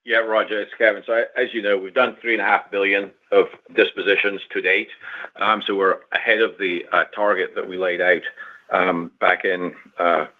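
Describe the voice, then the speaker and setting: A man, a company executive, answering analyst questions on a conference call in a measured, explanatory way. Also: sits low, level tone. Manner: measured, explanatory, some fillers. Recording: tinny phone line.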